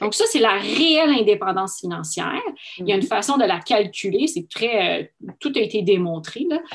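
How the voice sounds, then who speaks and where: Noticeable background noise behind a woman's medium-pitched voice with very wide pitch swings. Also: moderate pace. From Quebec. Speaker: personal finance coach. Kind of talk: podcast interview. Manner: hesitant, many repetitions.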